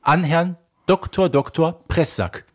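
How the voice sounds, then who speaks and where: A man's voice: a little high, slow. A man co-hosts a casual fan discussion, playfully building up his points with theatrical flair. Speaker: podcast co-host.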